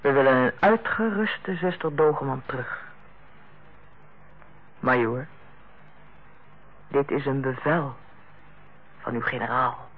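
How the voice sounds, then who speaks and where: An actress in a Dutch radio play as a female hospital director, authoritative yet kindly, speaking in a measured, formal and persuasive way. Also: extremely low pitch, exaggerated voice. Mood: coaxing, firm. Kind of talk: Dutch radio drama acting. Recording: muffled, band-limited old radio recording.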